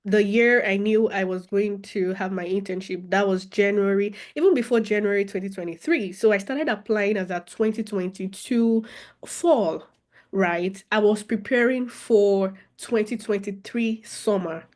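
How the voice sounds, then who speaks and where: A young adult woman with a Nigerian accent, telling her story as an interview guest in an expressive, animated way. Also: medium pitch, moderate pace. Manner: expressive, animated, with laughter and repeated phrases. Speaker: guest, former international student.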